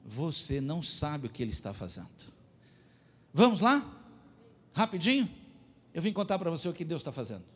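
A man preaching a sermon as pastor, telling a story and pressing his points with emphatic, loud appeals. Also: fairly high pitch, very animated, fast talker, few pauses, husky.

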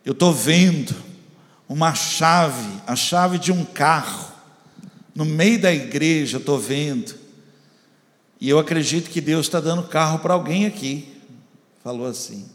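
A pastor telling a story in a sermon, acting out the voices and building up to shouts. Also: male voice, on the high side, measured pace, pauses often. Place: church. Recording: long church reverb.

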